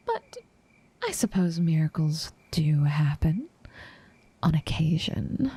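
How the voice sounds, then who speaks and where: A woman playing an infatuated assassin in an intimate audio roleplay, composed and menacing yet tender, speaking softly and often slipping into whispers. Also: fairly low pitch, creaky, breathy edge, no echo, heavily acted. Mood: hushed threat. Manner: soft, unhurried delivery slipping often into whispers.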